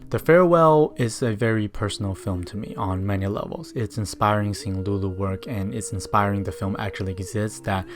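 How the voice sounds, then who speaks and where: Low-voiced man. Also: brisk, hardly any pauses, faint music behind. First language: Mandarin. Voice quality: non-native but fluent English. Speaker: video essayist. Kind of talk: scripted film commentary.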